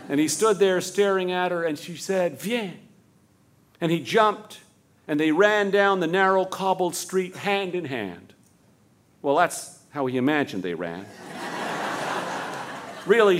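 Man, storyteller, high voice, live stage narration, long run-on sentences, slows down for quiet moments. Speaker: storyteller and host.

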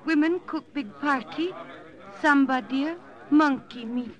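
A woman's voice: sits high, takes it slowly, dull audio. An actress playing an eager, simple tribal village woman speaking short broken English phrases in an old radio drama. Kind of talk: old-time radio acting.

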